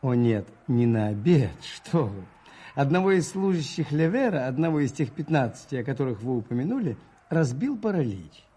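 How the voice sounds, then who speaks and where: An actor playing a mild, modest Catholic priest in a radio play, gentle and understated with a husky voice. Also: male voice, mid-range voice, big pitch swings, moderate pace. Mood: gentle, thoughtful.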